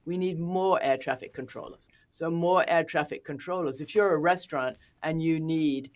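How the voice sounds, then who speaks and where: A woman's voice: low-pitched, moderate pace. A woman speaking as a policy expert in an interview, explaining methodically with questions and plain examples.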